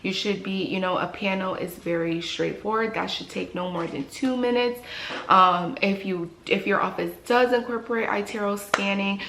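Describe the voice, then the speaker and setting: A woman talks through her work as a dental hygienist in a casual, encouraging vlog, often repeating a phrase for emphasis. Her voice has a gravelly edge, and the room around her is echoey, with a faint hiss behind her. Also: medium pitch, normal speed, a bit bright.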